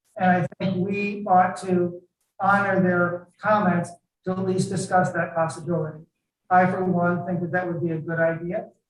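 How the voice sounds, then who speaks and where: Loud and high-pitched, a man speaks. His pace is moderate. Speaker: town board member. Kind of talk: public meeting discussion.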